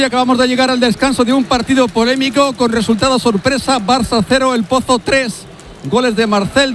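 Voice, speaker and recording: A man phones in a live sports report. He sums things up briskly and factually. His voice is very high, with faint noise behind. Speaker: field reporter.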